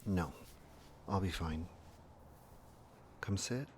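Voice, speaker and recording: Male actor as weary ailing man, very low voice, measured, soft-spoken, knowing, protective, audio drama. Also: a little hiss or hum. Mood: weary, tender. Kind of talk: fiction podcast acting.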